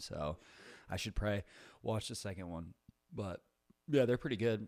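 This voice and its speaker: In a very clean recording with a silent background, a man with a fairly low pitch talks at a moderate pace in a normal speaking voice, his intonation lively. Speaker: movie podcast host. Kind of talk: casual chat.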